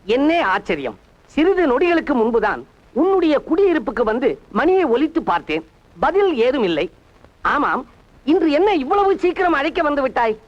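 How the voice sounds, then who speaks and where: Stiff bookish old professor, really high, swoopy voice, old movie. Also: male voice, very animated, moderate pace, lo-fi sound. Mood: formal. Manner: speaks in stiff formal literary Tamil. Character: pompous old professor, formal bookish speech. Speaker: neighbour professor. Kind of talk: 1980s film acting.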